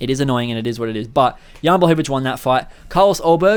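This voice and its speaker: With an Australian accent and an animated tone, a man talks at a very fast pace, his medium pitch varying in an ordinary way. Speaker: MMA commentator / YouTuber. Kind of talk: solo fight breakdown commentary. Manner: casual, swearing.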